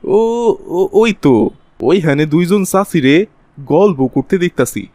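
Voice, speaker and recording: Cartoon scheming conman, male actor: Bangladeshi accent, slightly high pitch, wheedling colloquial delivery, dry close sound. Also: lively intonation, takes it slowly, mellow, no room sound. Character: scheming city man, sly profiteer spreading virus panic. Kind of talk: Bengali cartoon voice acting.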